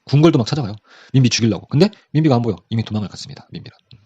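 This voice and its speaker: A man's voice: mid-range voice, lively intonation, very fast, mellow, slightly rough, no room sound, muffled recording. A man giving a casual history lesson for an exam. He talks in a chatty way and acts out the quotes in different voices. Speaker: history lecturer.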